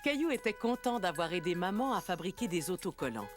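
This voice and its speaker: A woman narrating a children's cartoon as a gentle, expressive storyteller, reading scripted lines. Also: on the low side, a little fast. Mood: gentle storytelling. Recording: loud music behind the voice.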